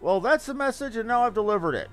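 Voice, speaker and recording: A quaint fantasy game messenger, put on by a man, speaking in a high, lively voice. The delivery is brisk and formal, with theatrical phrasing. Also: soft background music. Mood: brisk, skeptical. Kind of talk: reading game dialogue aloud in character.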